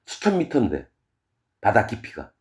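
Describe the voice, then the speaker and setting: A male pastor preaching a sermon, reading verses and retelling them in plain, casual speech, full of rhetorical questions. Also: normal speed. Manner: animated, wide swings in pitch and loudness. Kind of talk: expository sermon reading scripture.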